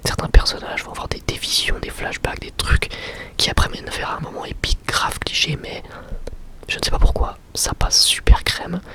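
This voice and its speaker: Young man, breathy whisper, ASMR review, informal and explanatory. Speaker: ASMR creator and anime reviewer.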